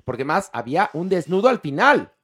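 A woman's voice: fairly low pitch, sing-song, brisk, breathy edge. A woman hosting a casual interview, prompting her guest and reacting. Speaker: host.

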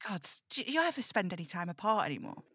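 A woman plays a weary embodiment of death who hosts a radio show, speaking. She is sardonic and brooding, in the manner of an audio drama lead. The voice sits at a medium pitch in a dry, echo-free recording. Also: very animated, fast talker, fairly bright tone, breathy edge. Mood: snarky, wistful. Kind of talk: audio drama table read.

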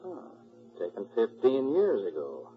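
Composed 1940s radio detective, muffled recording. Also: male voice, mid-range voice, wildly swooping pitch, unhurried, breathy edge, full character voice. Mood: pensive, focused. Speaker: actor in radio drama.

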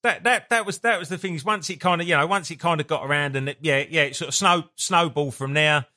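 A man's voice: on the high side, fast talker, sharp tone. A man with an Essex accent talking casually as an interview guest, sweary, colloquial and rambling. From Essex, England. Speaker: guest, punk band singer.

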